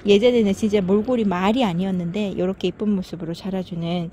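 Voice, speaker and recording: A woman's voice: mid-range voice, steady tone, fast talker, warm tone, a little hiss or hum. A woman filming her home veranda garden, talking fondly and chattily about each plant with little sighs. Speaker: succulent gardening vlogger. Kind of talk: casual narration while filming plants.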